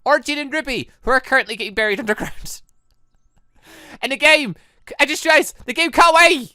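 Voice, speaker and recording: Young gaming host, excitable, exasperated commentary, lively swooping pitch, dry close sound. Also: brisk, no room sound. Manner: excitable, exasperated reactions between read lines. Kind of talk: let's play commentary, reading visual novel dialogue aloud.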